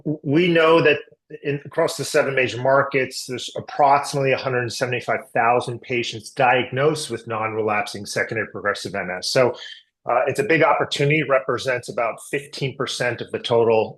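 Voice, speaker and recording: A man speaking as a company executive on an earnings call, explaining medical and market matters in measured corporate language. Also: medium pitch, steady tone, fairly bright tone. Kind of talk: earnings call answers, business presentation.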